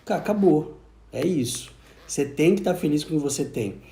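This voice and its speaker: A man co-hosting a self-help live talk, speaking in a relaxed, slangy conversational way. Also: fairly high pitch, brisk, vocal fry, roomy sound. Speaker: co-host of a self-knowledge live.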